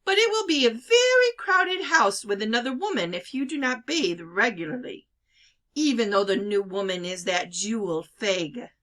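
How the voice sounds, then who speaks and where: A woman's voice: fairly high pitch, lively intonation, a bit bright. A woman voicing a bossy, exasperated older sister from a village in a storybook reading. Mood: scolding. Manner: brisk, exasperated, commanding. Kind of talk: children's novel read-aloud.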